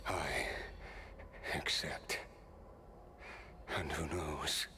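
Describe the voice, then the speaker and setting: An actor playing a grave, tormented immortal warrior in a fantasy video game, speaking in a measured, formal, dramatic way. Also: male voice, extremely low pitch, steady tone, background noise, heavily acted. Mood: weary, resigned. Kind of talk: scripted video game voice acting.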